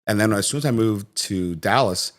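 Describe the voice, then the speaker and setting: A man's voice: fairly low pitch, moderate pace. A Jamaican-born man raised in Florida, a guest on a podcast, telling stories and acting out the people in them. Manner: animated storyteller, acts out quoted voices. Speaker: guest, financial professional. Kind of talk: conversational podcast interview.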